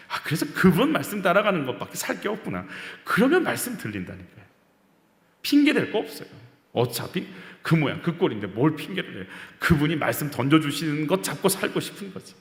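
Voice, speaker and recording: Impassioned male pastor in an echoey hall. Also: fairly high pitch. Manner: impassioned, swinging between loud outbursts and quiet murmurs; asks the congregation rhetorical questions. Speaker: senior pastor. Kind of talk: sermon at a Friday prayer meeting. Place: church sanctuary. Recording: echoey church hall reverb.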